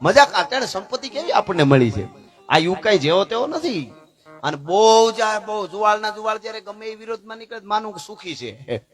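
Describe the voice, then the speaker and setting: A man, telling a folk tale on stage in a lively, joking, conversational way. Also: sits high, a little fast, soft background music. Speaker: folk storyteller. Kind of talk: Gujarati folk storytelling performance.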